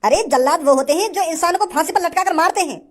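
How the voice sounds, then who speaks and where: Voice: very high voice, fast talker, fairly bright tone. A performer voicing a dutiful male hangman in a cartoon, speaking politely in rustic speech.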